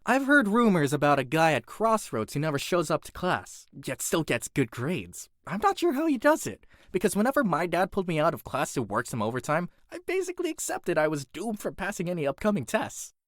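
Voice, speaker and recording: A performer voicing an earnest, dutiful young blacksmith's apprentice and student in an animated character reel, conversational and expressive. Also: mid-range voice, brisk, few pauses, no room sound, studio quality. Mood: friendly.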